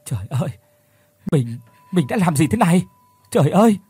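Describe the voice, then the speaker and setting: A man's voice: fairly high pitch, big pitch swings, normal speed, mellow, breathy edge, no echo, pitched above the performer's own voice, heavily acted. A man voicing a frightened, desperate young office worker who screams in panic. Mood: panicked screaming. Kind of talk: audiobook character voice.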